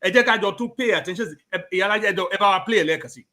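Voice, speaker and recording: A man's voice: high voice, rapid-fire, bright, forceful tone. A man with a Yoruba accent from Nigeria, a guest on a talk show, talking emphatically and switching between Yoruba and English. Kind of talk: political talk show discussion.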